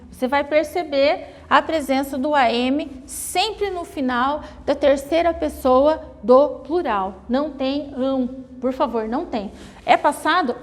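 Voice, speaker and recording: A woman's voice: sits high, long reverb tail. A Brazilian woman teaching a grammar lesson, explaining step by step and often checking in with her students. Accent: Brazilian Portuguese. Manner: explains slowly, repeating and checking with "né?" and "tá?". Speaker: Portuguese teacher.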